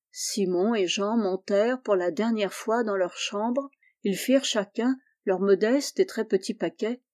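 In a mid-range voice, a woman audiobook reader reads a classic novel aloud. Her scripted narration is calm and measured.

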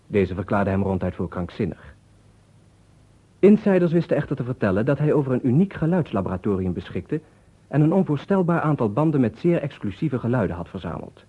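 An actor playing a sober radio presenter in a radio play, narrating a scripted report in a measured, formal manner. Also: male voice, medium pitch, very animated, breathy edge. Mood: sober, matter-of-fact. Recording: narrow, phone-like old radio recording.

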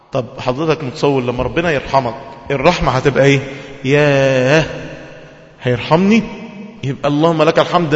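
A man with an Egyptian accent giving a colloquial religious lesson, animated and putting rhetorical questions to his listeners, recorded in a hall with a dull, lo-fi sound. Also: on the high side. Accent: Egyptian Arabic. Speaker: preacher.

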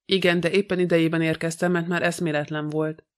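A man voicing a calm, fearless young female acrobat, speaking without excitement. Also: a little high, lightly acted. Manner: calm, unexcited.

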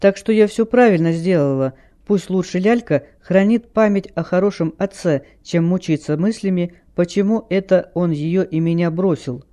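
A man doing a hard, dismissive mother, curt and unrepentant, in a raised voice with a dark tone. A character in a read-aloud story. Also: high-pitched, normal speed, hardly any pauses, lightly acted. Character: blunt, hard-hearted single mother.

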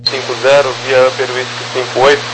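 A man working as an air traffic controller, reading out procedural clearances over aviation radio. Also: medium pitch, completely flat delivery, a little fast. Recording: noisy aviation radio transmission.

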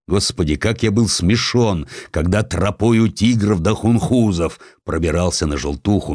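A man's voice: low-pitched, no room sound, clean studio sound. A man voicing a guilt-ridden, bitter bankrupt in his forties, mournful and resigned, in an audiobook story. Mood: bitter despair.

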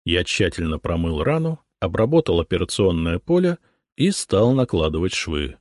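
A man narrating a story as an audiobook reader, voicing the characters' lines in a higher register. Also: normal speed, dry recording, studio quality. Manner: lively, voices characters by raising his pitch. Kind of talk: scripted narration with acted dialogue.

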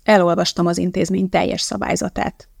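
A woman reading an audiobook, voicing a calm, unflinching young woman scientist who speaks in a matter-of-fact way. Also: lowish voice, creaky, no echo, studio quality. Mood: calm and firm.

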